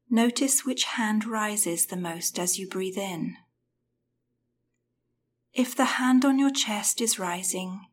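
A woman guiding a breathing meditation in a soft, soothing voice that often drops to a whisper. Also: mid-range voice. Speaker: meditation guide.

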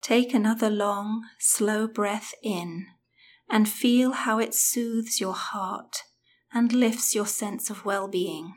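A woman guiding a breathing meditation in a soft, soothing voice that often drops to a whisper. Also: mid-range voice, fairly even intonation, takes it slowly. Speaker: meditation guide.

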